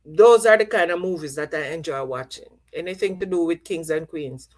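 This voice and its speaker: A woman's voice: sits low, normal speed, darkish tone. A middle-aged woman from Jamaica, chatting casually on a live stream and repeating herself as she reads out viewer comments. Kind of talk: casual chat.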